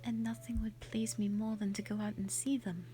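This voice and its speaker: A woman acting a gentle, shy white dragon in human form for a roleplay audio drama, soft, breathy and hesitant, with sweet earnestness. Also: mid-range voice, flat delivery, normal speed, soft background music, natural voice. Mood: wistful, gentle. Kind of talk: roleplay audio drama, intimate one-sided dialogue.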